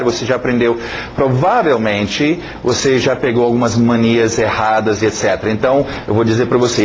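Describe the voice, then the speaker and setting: A male English teacher, a native English speaker, introducing his course in casual, chatty Portuguese, often checking in with "ok?" and pausing on fillers. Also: mid-range voice, slight background noise, poor audio.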